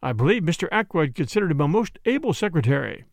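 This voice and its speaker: A man's voice: a little high, sing-song, quick pace, vocal fry, no echo. A man voicing a brusque, matter-of-fact colonel and chief constable with clipped delivery, in a storybook reading.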